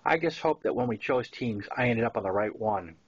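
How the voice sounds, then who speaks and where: Male narrator, 60s, Boston accent, conversational memoir read, average pitch, muffled lo-fi recording. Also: animated, fairly quick, husky. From Massachusetts, US. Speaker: author reading his own novel. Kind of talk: narrated memoir reading with casual asides.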